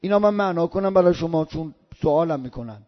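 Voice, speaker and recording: An older man from Iran giving a religious lesson on prayer, slowly drawing out Arabic sounds as he demonstrates them. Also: a little high, lively intonation, lo-fi sound, faint music behind. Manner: slow drawn-out recitation of Arabic sounds. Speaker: cleric teaching prayer.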